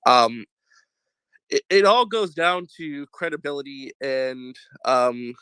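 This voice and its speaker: A mid-pitched man with a congested, stuffy voice hosts a casual online chat. He builds his argument patiently, point by point. His voice is dry and close over the call audio. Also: slow pace, sharp tone, clear, resonant tone, dry recording, rough recording. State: congested from a sore throat.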